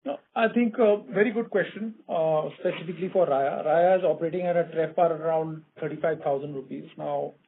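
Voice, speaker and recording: A male hospitality executive answering analysts' questions on a conference call, explaining in measured corporate phrases. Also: on the high side, vocal fry. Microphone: conference call line. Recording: tinny phone line with faint noise.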